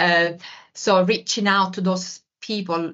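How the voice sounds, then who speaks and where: A woman with an Italian accent speaks at a medium pitch. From Italy. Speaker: corporate process manager. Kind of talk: podcast interview.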